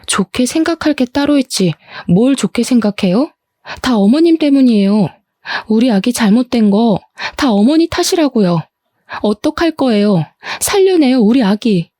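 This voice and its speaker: A woman's voice: on the high side, lively intonation, moderate pace, no echo. Woman doing a grieving young wife lashing out. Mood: furious, tearful. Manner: shouting, tearful accusations.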